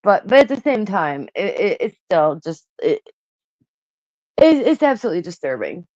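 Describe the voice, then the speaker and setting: A woman's voice: medium pitch, sing-song, moderate pace, darkish tone, no room sound. Stammering woman swearing in casual chat. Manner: stammering, repeats words, swears a lot. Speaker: host reacting to an interview. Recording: dull lo-fi dry sound.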